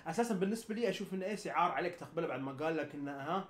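A man argues his case in rapid, insistent bursts, his voice sitting high for a man. He repeats himself for emphasis. The sound is roomy and echoey, with a faint hiss underneath. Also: expressive. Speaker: show host. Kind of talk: heated casual debate.

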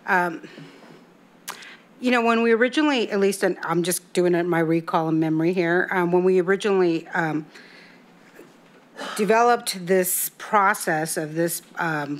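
A middle-aged woman speaking as a city council member in a council chamber, pausing often with ums and restarting her sentences. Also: on the low side. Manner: halting, many ums and restarts. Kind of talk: council meeting remarks. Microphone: desk microphone.

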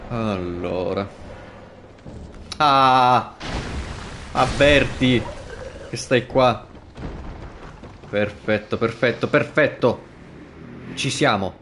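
A man streaming a video game live, commenting with animated, jokey asides and frequent swearing. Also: medium pitch, takes it slowly, long pauses, a little hiss or hum.

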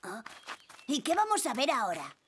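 A woman's voice: high-pitched, huge pitch swings, normal speed, slight background noise, exaggerated voice. An actress with a Castilian Spanish accent playing a sulky, know-it-all little boy in a cartoon dub, with music behind. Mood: curious. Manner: offhand, grumbling. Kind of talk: animated cartoon dub acting. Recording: loud background music.

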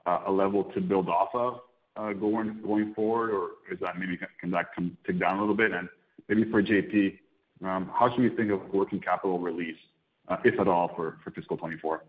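A man's voice: low voice, steady tone, fairly quick. A man asking questions as a financial analyst on an earnings call, heard over a narrow phone line.

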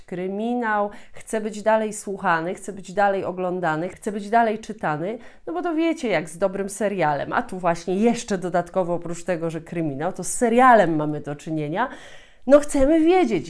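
Woman in her 30s talking to camera like a teacher, stresses stuff by repeating it, medium pitch. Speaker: host of a video channel for teachers of Polish. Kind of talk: explanatory talk to camera. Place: small furnished room at home, indoors.

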